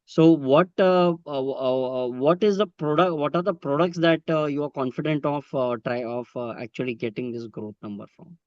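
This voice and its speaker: A man with an Indian accent asking questions on a business conference call in a halting, wordy, polite way. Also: a little high, darkish tone, no room sound. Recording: muffled, lo-fi conference call audio.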